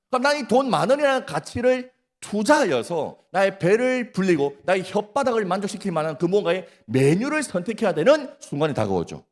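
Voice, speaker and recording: A male pastor with a Gyeongsang accent preaching a sermon at a prayer meeting, often putting questions to the congregation and teasing them. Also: high voice. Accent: Gyeongsang Korean. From Gyeongsang region, Korea. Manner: questions the congregation, prompts replies, jokes. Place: church.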